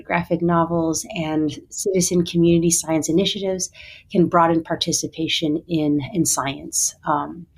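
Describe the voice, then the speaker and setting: Woman, professor, lowish voice, friendly, a few um's. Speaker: associate professor, guest. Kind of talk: interview self-introduction.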